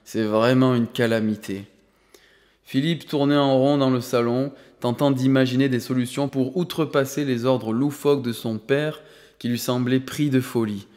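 Un homme qui lit un roman en narration posée et mesurée. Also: male voice, mid-range voice, steady tone, normal speed, a little mellow. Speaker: audiobook narrator. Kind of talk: scripted narration. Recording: long hall reverb.

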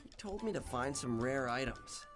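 Guy playing grumpy young anime hero, dismissive, mid pitch, music behind. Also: animated, normal speed, fairly bright tone, close to an everyday voice. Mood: irritated. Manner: irritated, dismissive. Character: surly impatient young male online gamer hero. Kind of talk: anime video game dub acting.

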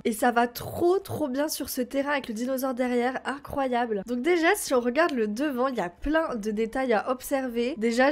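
A young woman chatting excitedly as she plays a game, her voice sitting a little high. She talks in a bubbly, casual way and doubles up her words when something delights her. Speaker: gaming YouTuber. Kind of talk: casual gameplay commentary.

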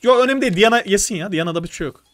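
A young man streaming live, coaching players through a strategy game with urgent, animated instructions. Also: sits high, very fast, no room sound, studio quality.

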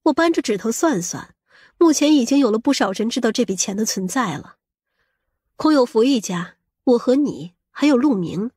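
A woman's voice: fairly high pitch, expressive, normal speed, mellow, husky, no room sound, clean studio sound. A woman playing a vain, scheming middle-aged mother in an audiobook, with a scolding, boastful and coarse-tongued manner. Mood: conspiratorial. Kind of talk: audiobook character acting.

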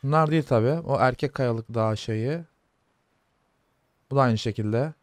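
Casting: young male gamer, casual let's-play talk, chatty and easygoing, mid-pitched voice. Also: unhurried, no echo. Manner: chatty, talks to viewers and soothes the horse. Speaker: gaming YouTuber.

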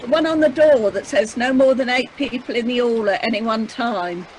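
A woman's voice: on the high side, normal speed, a little mellow, natural voice. A woman playing a cheeky, officious manservant in an audio pantomime, with a dry, mock-formal manner. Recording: faintly noisy video-call recording.

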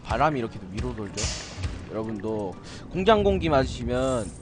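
A man's voice: medium pitch, big pitch swings, moderate pace. A man giving let's play commentary with a playful, cocky manner, explaining each step to viewers and jokingly scolding the game's citizens. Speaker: gaming video host. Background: loud game music.

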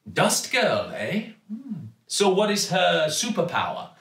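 A man voicing a cheerful, flattering male shopkeeper who talks in an effusive, overly polite way. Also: sits high, slow, voice pushed up, exaggerated voice. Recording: echoey, distant mic.

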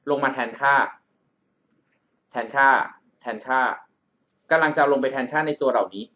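A man's voice: mid-range voice, moderate pace, bright, forceful tone, dull audio. A male math tutor talking through an exam problem over a screencast, often checking in with the listener. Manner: calls himself by a big-brother nickname, checks in with the student often. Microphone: voice-over on a screen recording.

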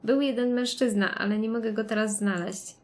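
A woman's voice: fairly high pitch, fairly even intonation, normal speed, close to an everyday voice. A woman reading the lines of a frightened young woman stranded on a plane in a game, in a plain read-aloud way. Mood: worried.

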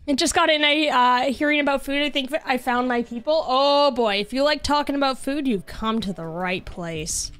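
A woman's voice: high voice, moderate pace, few pauses, clear, resonant tone, dry recording. A young woman casually chatting with her viewers while playing a game, bubbly and talkative, saying she is losing her voice. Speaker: streamer. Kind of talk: casual gaming livestream chat. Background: soft background music.

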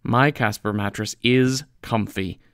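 A man reading a scripted comedic sponsor spot in a playful, deadpan, conversational way. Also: lowish voice, measured pace, dry recording, clean studio sound. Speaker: podcast writer reading a sponsor ad.

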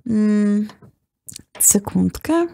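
A woman who teaches literature, reading a book excerpt aloud in a measured, careful way and then discussing it, with occasional self-corrections. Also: mid-range voice, expressive, creaky, warm tone, slight background noise.

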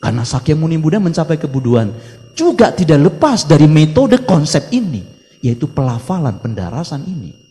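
A man's voice: on the high side, big pitch swings, fairly quick. A male Buddhist monk giving a dharma talk, preaching with emphatic exhortations and Mandarin chant phrases mixed in. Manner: emphatic rising exhortations, trailing off softly. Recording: long reverb of a hall.

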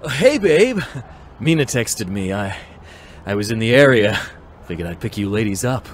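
Man as a low-voiced, protective American boyfriend. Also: big pitch swings, moderate pace, slight background noise. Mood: tender. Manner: tender, soothing. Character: protective, smooth-talking young boyfriend. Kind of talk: romantic comic dub acting.

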